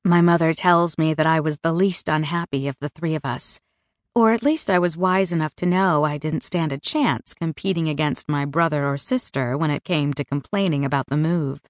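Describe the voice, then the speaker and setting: Low-voiced woman narrating an audiobook. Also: moderate pace, dry recording, clean studio sound. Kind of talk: first-person literary narration. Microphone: close studio mic.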